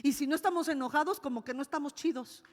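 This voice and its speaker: A woman pastor with a Mexican accent preaching a sermon, lively, with laughing asides and sudden exclamations. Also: high voice, quick pace. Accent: Mexican Spanish. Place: church hall. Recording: long hall reverb.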